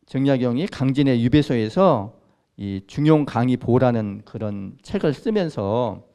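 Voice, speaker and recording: A man's voice: medium pitch, dark tone. A man in his sixties, a priest, giving an informal history lecture and chatting with his audience with questions and asides. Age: 60s. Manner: conversational, asks the audience questions. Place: lecture room.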